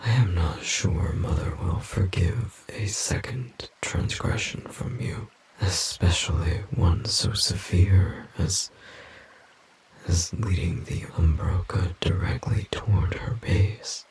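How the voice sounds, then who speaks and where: A man playing a grave, protective yet naively curious forest demon in an audio roleplay, speaking formally and haltingly with a breathy, gravelly rasp. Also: low voice, a little mellow, whispered, exaggerated voice, low-quality recording. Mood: stern, pensive. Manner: slow, formal, halting, pensive.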